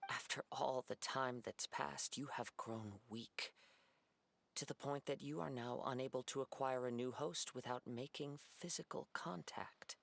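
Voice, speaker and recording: A composed young samurai from a fantasy game, speaking at an ordinary mid pitch in a measured, thoughtful way. Faint game music plays behind him. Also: male voice, gravelly, a bit bright, a little hiss or hum. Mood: calm. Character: calm young male wandering samurai. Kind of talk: game voice acting.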